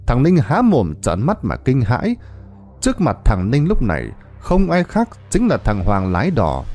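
A male narrator reading a horror tale with a dark, mellow voice that swings widely in pitch. His delivery is dramatic, with soft music faintly underneath a dry, close sound. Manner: dramatic, expressive storytelling.

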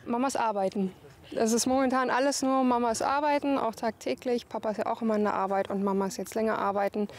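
A woman's voice: fairly high pitch, fairly even intonation, fast talker. Young woman talking in a casual interview. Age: 20s. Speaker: soldier and mother being interviewed. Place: outdoors, at a training range and in a garden.

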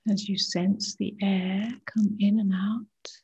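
A woman meditation teacher guiding a practice in a soft, hushed voice that often nears a whisper, with short unhurried phrases. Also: medium pitch, flat delivery, slightly rough, lo-fi sound. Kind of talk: guided meditation, slow and gentle with long pauses.

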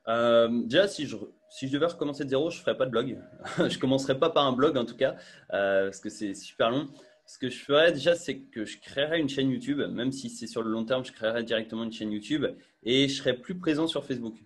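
A young man chatting as an interview guest over a video call, his voice at an ordinary middle pitch. He talks loosely, piling up fillers and restarting his sentences, heard through a small earphone mic in a bright room. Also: brisk.

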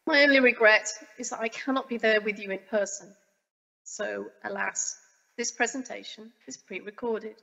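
Croaky woman from the UK, formal guest speaker, dull lo-fi reverberant video sound. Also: on the high side, fairly even intonation, fairly bright tone. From United Kingdom. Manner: formal and measured. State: croaky, getting over a cold. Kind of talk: pre-recorded conference presentation. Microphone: webcam video recording.

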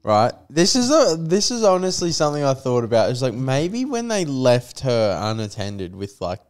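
A man's voice: mid-range voice, sing-song, normal speed, clean tone. A young man co-hosting a casual podcast on a living room couch, holding a mic, talking loosely in slang and trailing off mid-sentence. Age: young adult. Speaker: podcast co-host. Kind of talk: casual chat. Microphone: handheld mic.

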